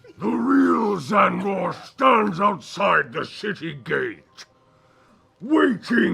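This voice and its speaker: A man puts on a raspy character voice pitched high. He speaks at a very slow pace. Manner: scary, booming.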